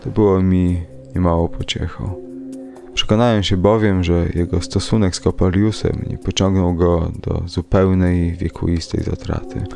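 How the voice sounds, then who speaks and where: A man reading a classic horror story aloud in a measured, dramatic storytelling manner. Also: low voice, flat delivery, creaky, warm tone. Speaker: podcast reader. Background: faint music.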